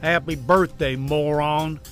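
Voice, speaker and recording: A man voicing a cruel, drunken, abusive father who talks in gruff insults in a horror story reading. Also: fairly high pitch, steady tone, slow pace, faint music behind. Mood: contemptuous, angry.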